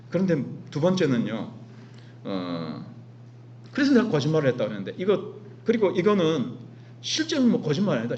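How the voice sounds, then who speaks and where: A man's voice: fairly high pitch, dark tone. A man with a Gyeongsang dialect preaching a Sunday sermon as pastor, asking the congregation questions and answering them himself. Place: church sanctuary. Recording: dull recording with faint hum.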